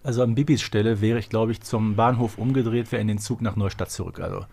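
A man's voice: fairly low pitch, fairly even intonation, fast, vocal fry, a little mellow. A man co-hosting a podcast, chatting in a colloquial, informal way. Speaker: podcast co-host. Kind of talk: casual fan podcast chat.

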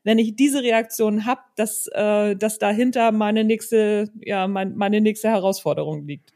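A woman's voice: mid-range voice, unhurried, dark tone. A woman hosting a casual conversational interview, agreeing and affirming as she talks. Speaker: podcast host, interviewer.

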